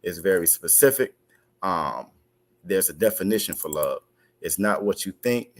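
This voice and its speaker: A man teaching an online religious class over a video call, halting, with many fillers and restarts. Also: low voice, lively intonation.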